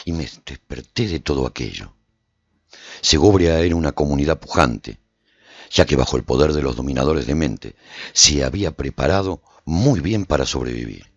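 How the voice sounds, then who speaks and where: An actor playing a weary swordsman who narrates his post-apocalyptic adventure in a radio drama, husky and theatrical. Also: a bass voice, expressive, moderate pace, no echo, muffled recording, exaggerated voice. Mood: calm, reflective. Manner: intense, theatrical. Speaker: narrator and protagonist.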